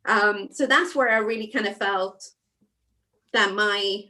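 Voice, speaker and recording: Brief: chatty Swedish-born woman, bright forward tone, video-call guest. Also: mid-range voice, takes it slowly. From Sweden. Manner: warm, chatty, many fillers and soft trailing asides. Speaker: guest designer. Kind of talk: casual chat while crafting.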